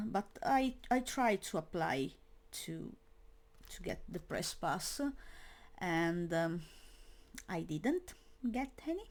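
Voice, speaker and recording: A young woman talks through her year in a loose, unscripted monologue, in English that is not her first language. She goes at a slow pace and leans heavily on fillers, often restarting a phrase before finishing it. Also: fairly low pitch, darkish tone. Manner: hesitant, many fillers and restarts; non-native English speaker. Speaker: metal media creator. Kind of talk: casual spoken monologue.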